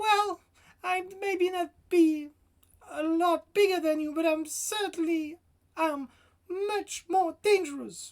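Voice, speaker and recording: In a put-on character voice with an extremely high pitch, the speaker goes at a fairly slow pace with long, frequent pauses. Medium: read story.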